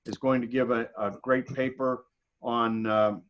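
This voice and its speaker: American man, informal presenter, halting delivery, frequent mid-sentence pauses, dull lo-fi video call sound. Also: mid-range voice, flat delivery, a crowd in the background. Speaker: guest presenter.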